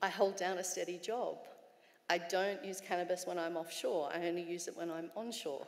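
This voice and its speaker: Her fairly low-pitched voice carries an Australian accent, and the woman keeps her intonation fairly even. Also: moderate pace. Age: 50s. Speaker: patient advocate; conference panelist. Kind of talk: conference panel discussion. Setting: stage with audience. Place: hall. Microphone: podium.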